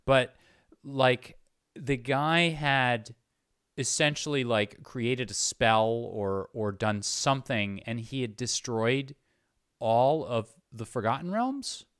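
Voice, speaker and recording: A man's voice: medium pitch, takes it slowly, fairly bright tone, clean tone, no echo, clean studio sound. A man chatting casually as interviewer, hesitant and rambling, often correcting himself. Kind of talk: casual conversation.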